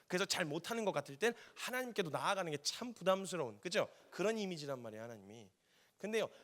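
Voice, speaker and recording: Male preacher, rapid delivery, animated storytelling, acts out dialogue, church sermon. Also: a little high. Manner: lively storytelling, acting out dialogue in casual speech. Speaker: missionary preacher.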